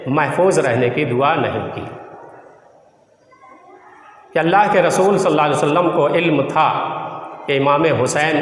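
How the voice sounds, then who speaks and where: A male Muslim preacher delivers a formal sermon in a fairly high voice. He explains his points emphatically, circling back to repeat them in Arabic-laced phrasing. The sound is drenched in echo with a long reverberant tail.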